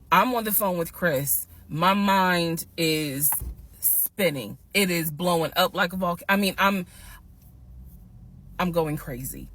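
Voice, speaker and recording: Woman on camera telling a wild story, lowish voice, gets emphatic and slows right down on the big parts. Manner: animated, emphatic, slows down to stress key points. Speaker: storytime vlogger. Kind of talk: casual storytelling.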